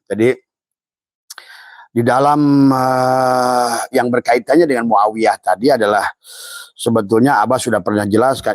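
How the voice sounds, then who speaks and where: A man's voice: mid-range voice, no echo, clean studio sound. An older man, an Islamic preacher, giving a rambling religious teaching talk with many fillers and restarts, quoting Arabic phrases.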